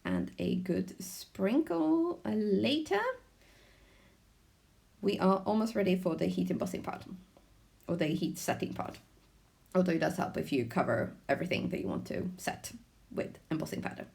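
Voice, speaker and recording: A woman narrating a card-making tutorial in a chatty, relaxed way, with frequent ums. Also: lowish voice, normal speed, vocal fry, pauses often. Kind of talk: crafting tutorial voice-over.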